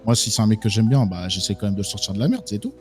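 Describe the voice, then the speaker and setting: A man's voice: fairly low pitch, animated, very fast, a little mellow, soft background music. A man improvising in online role-play, answering questions in casual, offhand slang.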